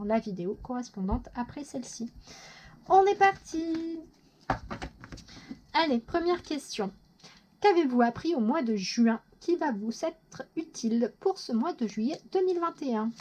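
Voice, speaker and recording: Chatty, excitable woman reading tarot. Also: a little high, a little hiss or hum. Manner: chatty, self-mocking, excitable. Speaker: tarot reader. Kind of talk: casual monthly horoscope reading.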